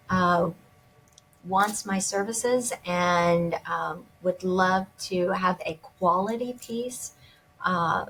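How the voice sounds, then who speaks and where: A woman's voice: on the low side, a bit bright, slight background noise, poor audio. A woman gemologist and jewelry designer speaking as an interview guest, enthusiastic and often restarting her sentences.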